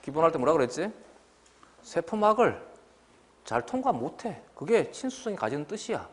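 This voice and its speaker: A middle-aged man giving a biology lecture to students. He scolds them, keeps asking if they understand, and sometimes mimics them in a higher voice. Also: normal speed. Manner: lively and scolding, often asks "알겠지?". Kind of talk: classroom lecture.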